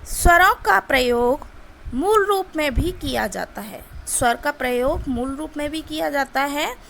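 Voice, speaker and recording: A woman teacher explaining Hindi grammar in a school lesson, speaking deliberately and drawing out example words. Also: sits high, vocal fry, a bit bright, a little hiss or hum, low-quality recording.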